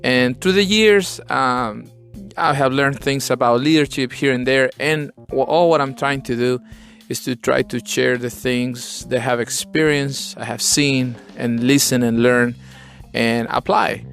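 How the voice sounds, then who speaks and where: A man with a Chilean Spanish accent, native in Spanish, talks as a podcast host. He is earnest and instructive in a conversational style, at a middling pitch, with plucked guitar music behind his voice. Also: measured pace, vocal fry, a bit bright. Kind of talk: conversational leadership talk.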